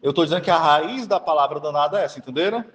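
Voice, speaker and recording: A man's voice: on the high side, rapid-fire, a bit bright. A man from Northeast Brazil with a Cearense accent, preaching an informal teaching sermon and often asking the listeners whether they understand. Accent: Cearense Portuguese. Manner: chatty, keeps asking the audience if they understand. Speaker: Catholic preacher. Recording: long hall reverb.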